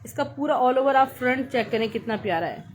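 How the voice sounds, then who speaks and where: A woman with a Pakistani accent giving a live sales pitch for clothes in chatty teleshopping patter, repeating her praise and prices. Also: lively intonation, fairly quick. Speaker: live online clothing seller.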